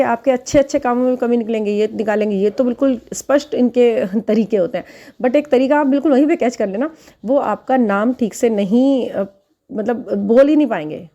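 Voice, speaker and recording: A woman who gives spiritual readings talks straight to her viewers in a loose, chatty way. Her voice sits a little high and sounds soft and mellow. She breaks into laughter at her own examples. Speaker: spiritual relationship reader. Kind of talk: casual advice talk to viewers.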